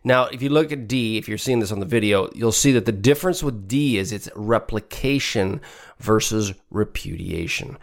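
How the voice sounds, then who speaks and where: A middle-aged man with a lowish voice and the stuffed-up sound of a cold. He talks through exam questions in a relaxed, conversational way, reading out each option before reasoning toward the answer. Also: moderate pace, gravelly. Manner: casual and conversational, reads options then reasons aloud. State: congested from a cold. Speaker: podcast host and exam tutor.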